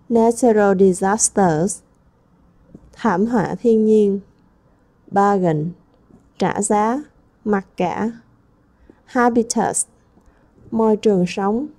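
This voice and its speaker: A woman teacher who speaks slowly and carefully, with a soft, mellow tone. She reads each word or sentence aloud, then gives its meaning, step by step through a workbook lesson. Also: medium pitch. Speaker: English teacher. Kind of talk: textbook lesson walkthrough.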